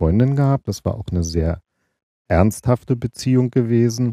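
A man's dark, mellow tone carries ordinary pitch variation as he speaks. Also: dry, close sound with no echo. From East Germany, village. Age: 50s. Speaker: former translator, care home manager. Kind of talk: interview, personal life story. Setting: outdoors in a garden.

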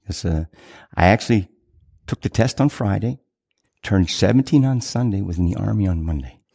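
Pausing long and often at a moderate pace, a man with a fairly low, dark, mellow voice and lively intonation sounds dry and close with no echo in a very clean recording with a silent background. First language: English (speaking German). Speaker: US Army veteran. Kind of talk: casual interview.

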